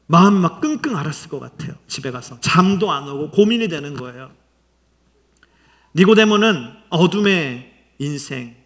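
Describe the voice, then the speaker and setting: A male pastor preaching a sermon, telling the story with animation and acting out the quoted lines. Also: a little high. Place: large conference hall. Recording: long hall reverb.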